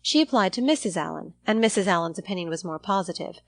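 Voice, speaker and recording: A woman's voice: fairly low pitch, expressive, fast, dry recording. A woman reading a classic novel as an audiobook narrator, in scripted storytelling style.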